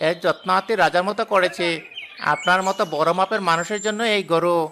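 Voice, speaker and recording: Brief: fawning village cattle trader for a cartoon; high, wheedling voice. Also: male voice, fairly even intonation, a little fast, sharp tone, slight background noise. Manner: deferential, wheedling. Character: flattering village cattle seller, haggling. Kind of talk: cartoon voice acting.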